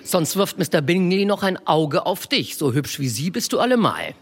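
A woman voicing a dry, laconic, teasing older husband during a literary reading, dropping her voice low and quiet. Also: very animated, moderate pace.

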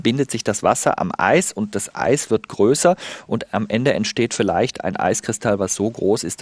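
A man's voice: on the low side, dry recording. A man who is a weather expert, patiently explaining on a radio call-in and stressing points now and then. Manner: patient, explanatory, emphatic at times.

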